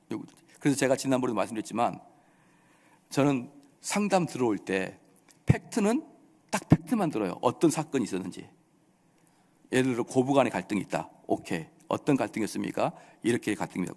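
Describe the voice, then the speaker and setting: A man's voice: mid-range voice, lively intonation, a little fast, darkish tone. A male pastor preaching a sermon, acting out quoted voices and scolding with rhetorical questions. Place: church sanctuary. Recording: echoey church hall.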